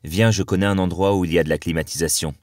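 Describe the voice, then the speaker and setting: A man reading the lines of a patient, loving young woman in an audiobook, in a soft, earnest way. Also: deep voice, fairly even intonation, fast, no echo, clean studio sound, lightly acted. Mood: tender.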